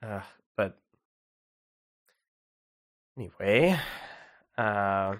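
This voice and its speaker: A man co-hosting a podcast, chatting casually in a rambling, halting way with lots of "like". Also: fairly low pitch, animated, fairly bright tone. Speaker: podcast co-host. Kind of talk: casual chat.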